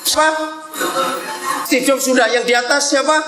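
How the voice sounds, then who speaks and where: A man with a high, bright-pitched voice preaches to a young congregation, quick to tease and fire questions at the room. The sound carries the echo of a church hall. His delivery stays lively and playful. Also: loud music behind the voice. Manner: lively, teasing, quizzes the congregation. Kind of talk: interactive youth sermon.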